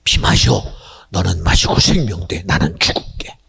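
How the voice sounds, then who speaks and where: A man voices a gentle savior figure who pleads softly. He speaks low, often in a breathy whisper with gravel in it. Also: lively intonation, moderate pace, no room sound, heavily acted. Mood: tender pleading. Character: tender divine male savior, pleading gently.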